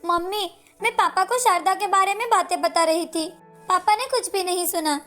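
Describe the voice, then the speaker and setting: Woman doing young schoolgirl for cartoon, very high and bright, whiny pleading, soft music underneath. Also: normal speed. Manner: pleading, complaining. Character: young schoolgirl, upset and complaining.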